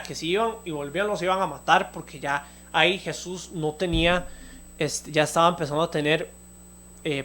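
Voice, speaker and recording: A man with a Costa Rican Spanish accent delivers a sermon in a slightly high voice. He reads a scripture passage aloud, then steps back to explain it in an easy, conversational way, with the small restarts and fillers of unscripted talk. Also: a bit bright. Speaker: preacher. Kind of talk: Bible reading and sermon commentary.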